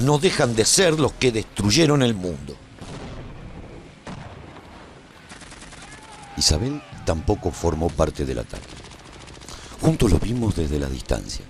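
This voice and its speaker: A man playing a humane war survivor who recounts his own story in an expressive, reflective radio drama narration. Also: on the low side. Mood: grave, disillusioned.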